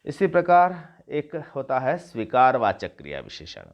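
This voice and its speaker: A middle-aged man gives a classroom grammar lecture at a measured, patient pace. He restates each term and works through lists of examples with pauses and small fillers. The recording is dull and lo-fi. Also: medium pitch, wildly swooping pitch. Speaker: Hindi grammar teacher.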